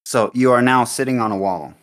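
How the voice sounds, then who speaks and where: A man's voice: medium pitch, fairly quick. A man narrating as game master in an improvised tabletop game, rambling with many ums and likes over a voice call.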